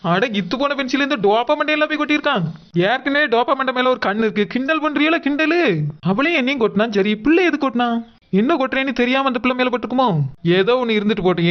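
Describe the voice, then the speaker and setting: An actor plays a suspicious, bossy cartoon mother with a very high voice. She rattles out scoldings and mutterings. The sound is muffled and lo-fi. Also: lightly acted. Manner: scolding, muttering, name-calling. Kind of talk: cartoon dub dialogue.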